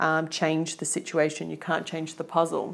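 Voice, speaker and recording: A woman speaks with a strong Australian accent. Her pace is moderate. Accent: broad Australian. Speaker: tarot reader. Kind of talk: tarot reading.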